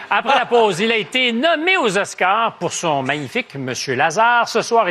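A man hosting a televised panel debate, handing off turns in a brisk, playful way. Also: high-pitched, pushed and bright, a little hiss or hum. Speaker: host. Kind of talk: talk show panel debate. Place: television studio with audience.

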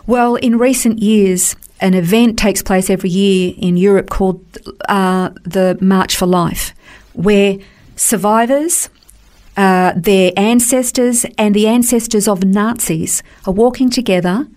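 A woman's voice: medium pitch, a little slow, a little mellow. A woman teaching on a Christian radio program in an earnest, explanatory way, repeating words for stress. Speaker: Bible teacher.

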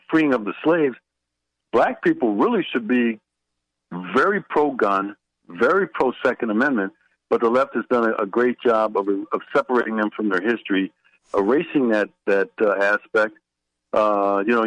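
A man talking as an AM radio interview guest, halting and repeating words as he thinks. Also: mid-range voice, fairly bright tone, no room sound, rough recording. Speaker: guest author.

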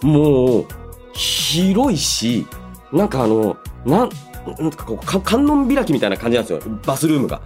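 Lively guy doing solo radio host chat, mid pitch, reading mail w casual reactions, music under him. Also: moderate pace. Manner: animated storytelling with sound-effect words and casual asides.

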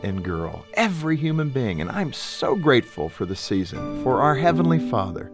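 A man with a medium-pitched voice speaks in an earnest devotional style. His intonation rises and falls in a lively way, with measured phrasing, while guitar music plays clearly behind him. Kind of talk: devotional Christmas reflection.

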